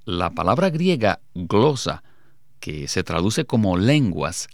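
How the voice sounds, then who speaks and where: A man hosting a Bible study program, presenting in a lively, conversational way. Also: low voice, slow pace, dry recording, clean studio sound. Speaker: program host.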